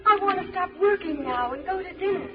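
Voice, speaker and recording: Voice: extremely high pitch, expressive, a little fast, music in the background. A performer voicing a squawky, demanding talking creature in a 1940s radio drama. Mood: whining. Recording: tinny old radio recording.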